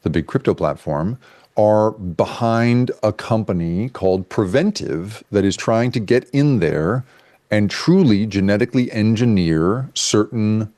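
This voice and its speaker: A man with a low voice tells a story as a guest on a casual interview show. He talks in an animated way, breaking off into restarts and fillers. The sound is dry and close, with no room around it. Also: measured pace, dry recording. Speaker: guest journalist.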